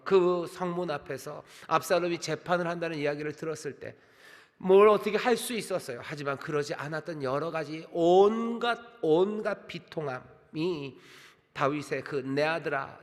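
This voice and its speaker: Guy pastor preaching, kinda high voice, earnest and sad, long church echo. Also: moderate pace. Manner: earnest, sorrowful retelling with quiet repeated laments. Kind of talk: sermon. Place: large church sanctuary.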